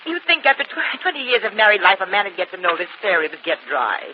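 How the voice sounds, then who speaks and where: An actress playing a weary middle-aged former vaudeville singer who scolds and frets, in 1940s radio acting. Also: female voice, medium pitch, very animated, fast, close to an everyday voice. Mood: fretful. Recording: dull old radio recording with faint hiss.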